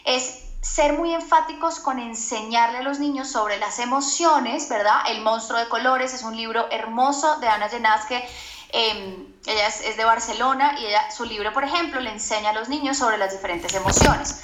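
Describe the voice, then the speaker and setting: Psychologist guest, woman, high and bright voice, earnest explainer, roomy echoing recording. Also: normal speed. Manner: earnest teacher tone, often asks for agreement. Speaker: psychologist guest on a parenting podcast. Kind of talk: explanatory podcast interview.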